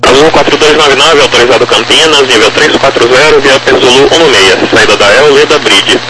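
A man's voice: medium pitch, brisk. A Brazilian man giving terse, procedural air traffic control instructions over the radio. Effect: radio transmission. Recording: very noisy aviation radio.

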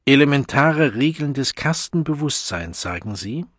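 Ein Mann liest einen belehrenden Brutdirektor. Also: male voice, medium pitch, expressive, moderate pace, fairly bright tone, husky, no room sound, clean studio sound, voice pushed up. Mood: lecturing. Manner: lecturing, emphatic. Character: pompous male hatchery director, lecturing. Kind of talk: audiobook reading.

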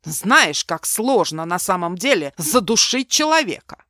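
A woman's voice: fairly low pitch, expressive, a little slow, fairly bright tone, no room sound, clean studio sound. A woman voicing a bitter vengeful ex-con. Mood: furious. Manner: harsh, mocking, raised voice. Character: bitter vengeful man, ex-prisoner.

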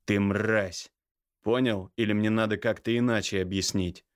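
A seething older brother in an audiobook, voiced by a male reader close to his own low voice. He growls slow, menacing threats with open contempt. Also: steady tone, clear, resonant tone, close to an everyday voice. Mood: furious, menacing. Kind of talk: audiobook character voice.

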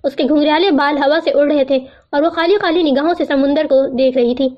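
A woman narrating a novel aloud with steady, even storytelling delivery. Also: high voice. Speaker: audiobook narrator. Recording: muffled lo-fi recording.

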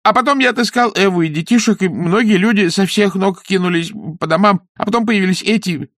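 A man's voice: high-pitched, fairly quick, fairly bright tone, dry recording, clean studio sound, pitched above the performer's own voice. A man voicing a frightened village weaver who stammers and pleads in a storybook. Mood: babbling.

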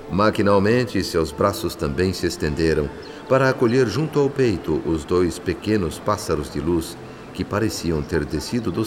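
An actor with a Brazilian accent playing a gentle, reflective spirit who narrates a radio drama in a measured, solemn way. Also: male voice, deep voice. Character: gentle, reflective male spirit narrator telling a family's story. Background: background music.

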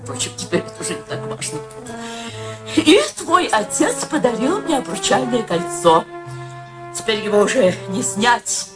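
Актриса играет сентиментальную старушку-мать, живые переливы голоса. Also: female voice, a little high, lively intonation, normal speed, over music, close to an everyday voice. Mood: solemn, sentimental. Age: older. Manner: talkative, solemn, theatrical. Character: ailing, sentimental, pushy elderly mother matchmaking her daughter. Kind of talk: stage-like Russian radio drama acting.

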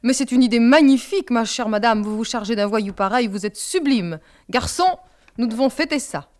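A fussy middle-aged man gushes congratulations in a booming voice, as a woman narrator puts him on. His delivery is loud and effusive. It comes from a storybook reading. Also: lively intonation, normal speed, close to an everyday voice.

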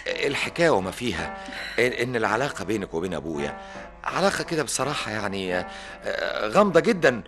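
A man's voice: fairly low pitch, very animated, fast, over music. An actor playing an earnest young adult son in a radio drama, coaxing and arguing with his mother, with an Egyptian accent. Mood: pleading. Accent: Egyptian Arabic. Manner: coaxing, argumentative.

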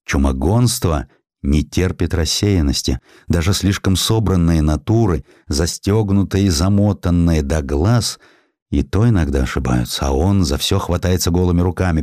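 A man's voice: low-pitched, darkish tone, dry recording, clean studio sound. A man voicing a hearty, brave older professor who speaks in a rousing, fatherly way. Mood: confiding, fatherly.

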